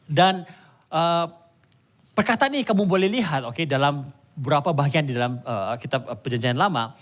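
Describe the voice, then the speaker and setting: A man preaching a sermon, animated and conversational, with asides to the congregation. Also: a little high, a little fast. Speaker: pastor. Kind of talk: sermon mixing Malay and English.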